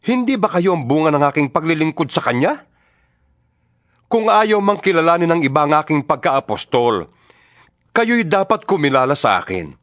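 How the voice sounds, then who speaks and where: A man's voice: high voice, a bit bright, dry recording. A Filipino-accented man playing an earnest apostle in a dramatized scripture reading, speaking in an emphatic, oratorical way. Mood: impassioned, challenging. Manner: oratorical, emphatic rhetorical questioning. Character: Paul, earnest impassioned male apostle writing to his church. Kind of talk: dramatized audio Bible reading in Tagalog. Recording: studio reading over clear background music. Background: instrumental music.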